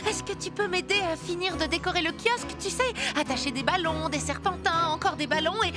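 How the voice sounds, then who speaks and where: Cartoon role: a chatty, fussy girl, easily flustered, exclamatory, extremely high-pitched. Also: a little fast, loud music behind the voice. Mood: bustling. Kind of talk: French-dubbed children's cartoon acting.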